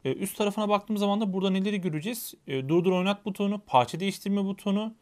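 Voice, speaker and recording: A man co-hosting a casual tech unboxing, quickly and eagerly explaining a product's features as he handles it. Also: high-pitched.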